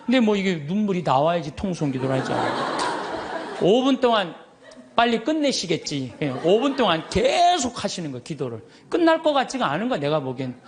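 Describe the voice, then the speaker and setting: A middle-aged man, a Catholic priest, telling stories in a lively sermon, acting out the voices of others and laughing as he goes. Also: high-pitched, brisk, a crowd in the background. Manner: animated, acts out quoted voices, laughs often.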